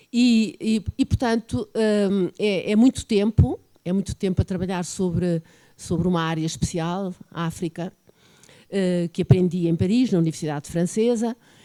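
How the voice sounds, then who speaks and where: Dark and mellow in tone, a woman's medium-pitched voice moves at a moderate pace with ordinary pitch variation, recorded very cleanly against a silent background with a dry, close sound and no echo. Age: 70s. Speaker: historian and professor. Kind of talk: round-table talk. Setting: university auditorium with audience. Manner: halting, many hesitations.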